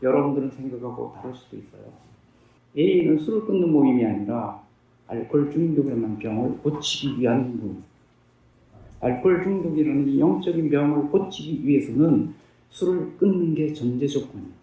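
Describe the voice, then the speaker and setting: This is a man in his fifties telling his recovery story as a personal testimony, earnest and plain-spoken, asking himself questions and answering them. His voice sits at medium pitch with a dark tone, animated and at normal speed. The room is very echoey and the mic is distant.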